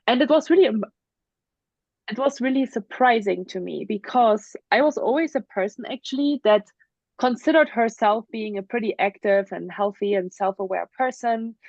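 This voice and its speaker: A woman's voice: medium pitch, a little mellow, no echo. German-accented woman in her thirties, interview guest, earnest and open, muffled dry video-call sound. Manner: open, earnest, frequent ums. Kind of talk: casual interview, personal story. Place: home in the mountains.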